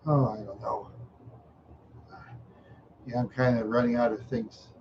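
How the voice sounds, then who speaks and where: Slow rambling older man, lo-fi stream. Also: medium pitch, steady tone. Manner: slow, repetitive, lots of "yeah" and chuckles. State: tired, feeling unwell. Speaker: livestream host. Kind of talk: rambling casual livestream chat. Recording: dull lo-fi stream audio with faint noise.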